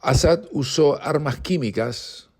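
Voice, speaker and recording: A man's voice: a little high, slow. A middle-aged man with an Argentine Spanish accent, hosting an opinionated news commentary show and speaking emphatically and indignantly, with frequent restarts. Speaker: political commentary host.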